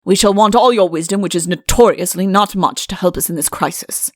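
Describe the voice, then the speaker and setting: A woman's voice: lowish voice, a little fast, dry recording, studio quality, lightly acted. A woman voicing a pompous, stern, irritable middle-aged king in a comic fairy-tale audiobook, with an imperious, curt manner.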